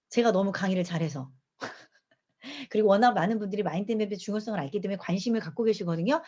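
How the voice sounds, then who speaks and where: A woman teaching mind mapping in an online lecture, asking her audience questions as she goes. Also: medium pitch. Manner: lively, asks the audience questions. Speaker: mind map instructor. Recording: dull lo-fi online class audio.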